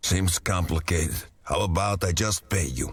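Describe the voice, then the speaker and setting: A man does a put-on character voice, raspy and very deep in pitch, at a moderate pace in a very clean recording with a silent background. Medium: video game. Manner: breezy, insistent.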